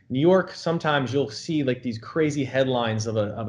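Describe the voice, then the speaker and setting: A man with an American accent talks at a moderate pace, his voice somewhat breathy. His pitch varies in an ordinary way. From Florida. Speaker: real estate broker. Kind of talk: casual chat.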